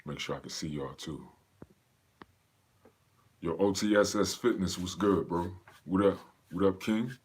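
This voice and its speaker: A man's voice: deep voice, a little slow, long pauses, a little mellow, breathy edge. A man from Pennsylvania, raised in North Carolina, casually hosting a live fitness Q&A and greeting viewers by name in a slangy, laid-back way. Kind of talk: casual livestream chat.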